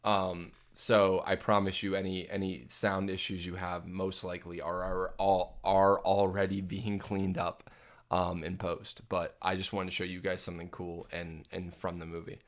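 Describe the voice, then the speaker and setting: Young male streamer, very deep voice, casual rambling chat-reading host. Loose and self-interrupting. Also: level tone, moderate pace. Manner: rambling, reads chat questions aloud, frequent ums and restarts. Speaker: livestream host answering chat. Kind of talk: casual live Q&A. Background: jazz playing from a phone.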